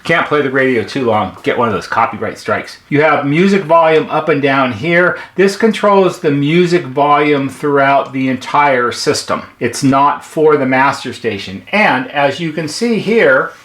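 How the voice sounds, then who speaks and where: Male presenter, American, mid-pitched, plain-spoken technician explaining equipment in an echoing room. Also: unhurried, few pauses, a bit bright. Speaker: presenter, intercom repair technician. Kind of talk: unscripted product walkthrough. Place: indoor workshop at a workbench. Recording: roomy, echoing indoor sound.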